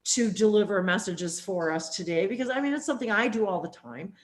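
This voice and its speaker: A woman hosting a spiritual interview, talking in a rambling, animated way with plenty of fillers. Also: mid-range voice, fairly quick. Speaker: host. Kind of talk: casual spiritual interview chat.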